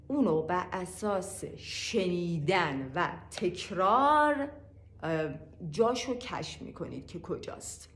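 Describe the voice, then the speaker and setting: A woman teaching a language lesson in a casual way, saying each word slowly and repeating it. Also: fairly low pitch, roomy sound. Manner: repeats words slowly and clearly. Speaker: French teacher.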